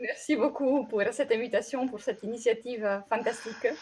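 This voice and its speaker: Moderate pace in an Italian accent. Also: woman. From Italy, Sanremo (Liguria). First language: Italian (speaking French). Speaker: astronomer. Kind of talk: interview.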